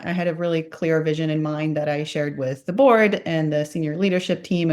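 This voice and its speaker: A woman in her thirties from Greece, with an American accent and only a faint Greek trace, a little rough from a cold, answers interview questions in an upbeat, conversational way. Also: lowish voice. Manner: upbeat, laughs easily. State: has a cold. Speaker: podcast guest, marketing executive.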